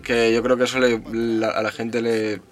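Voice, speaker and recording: Flat-toned young man, hesitant. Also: medium pitch, moderate pace. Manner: hesitant, trails off and restarts. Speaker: podcast co-host. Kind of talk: casual chat.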